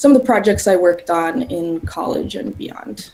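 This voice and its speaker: With an American accent, a plain, everyday voice moves at a fairly slow pace with lively intonation. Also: woman. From US, Denver. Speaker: robotics engineer, invited speaker. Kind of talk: presentation talk. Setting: live stream. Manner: many filler ums.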